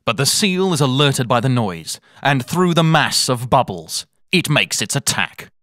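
A man playing a measured, serious narrator of a wildlife documentary. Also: mid-range voice, very animated, pushed and bright, dry recording, clean studio sound. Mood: suspenseful.

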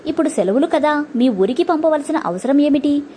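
A woman's voice: sits high, animated, fairly quick, warm tone, slight background noise. Woman reading a questioning landowner father. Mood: puzzled. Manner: questioning, direct. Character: puzzled middle-aged landowner father.

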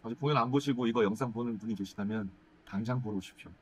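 Fast-talking husky young man. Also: mid-range voice. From Ulsan, South Korea. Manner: quick, animated, chatty with self-deprecating laughs. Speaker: musical actor. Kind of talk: casual Q&A chat. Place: indoor stage set, seated.

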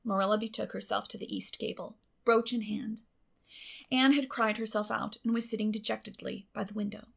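A woman's voice: medium pitch, little pitch movement, brisk, vocal fry, slightly rough. A woman reading a classic novel aloud as scripted audiobook narration.

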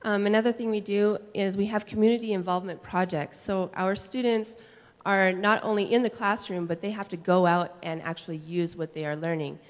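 A woman high school language teacher giving a steady conference talk into a handheld mic on stage. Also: a little fast. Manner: steady, explanatory, some fillers. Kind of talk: conference presentation. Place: large school hall, on stage. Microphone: handheld microphone. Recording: long reverb of a large hall.

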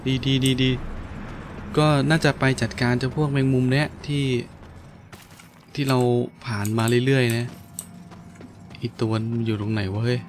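A man's voice: medium pitch, measured pace, long pauses, noisy background. A man giving casual gameplay commentary, full of coarse slangy exclamations and talk aimed at enemies. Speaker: gaming YouTuber. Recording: game music behind the voice. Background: video game music and sounds.

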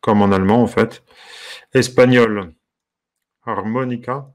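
A man's voice: medium pitch, steady tone, unhurried. Curious, amused male harmonica teacher. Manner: curious, amused, musing aloud with soft exclamations. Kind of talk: casual commentary while browsing.

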